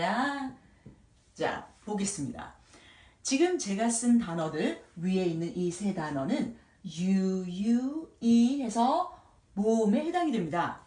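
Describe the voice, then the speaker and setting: A woman teaching English grammar in a patient way, sounding out words slowly and repeating them. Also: medium pitch, reverberant, recorded from a distance. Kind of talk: explaining grammar at a whiteboard.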